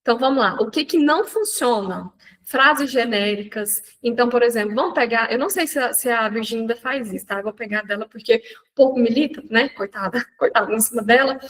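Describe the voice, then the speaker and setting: A woman's voice: fairly high pitch, a little fast, rough recording. Chatty Brazilian woman mentoring live. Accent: Brazilian Portuguese. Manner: chatty, animated, addresses audience directly. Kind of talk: live online talk.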